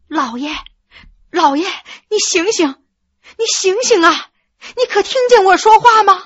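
A woman's voice: lively intonation, a little slow, muffled recording. A woman voicing an official's grief-stricken wife who wails and sobs in a storytelling performance. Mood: pleading. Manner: sobbing, shrill wailing.

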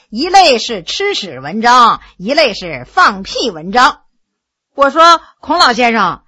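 Woman as sly, unhurried male court wit; bright, slightly husky. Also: high voice, full character voice. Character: witty middle-aged male court scholar telling jokes.

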